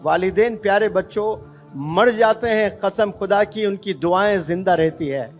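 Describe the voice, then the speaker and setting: A man's voice: high-pitched, faint music behind. A man preaching an emotional Islamic sermon, impassioned and exhorting, full of rhetorical questions.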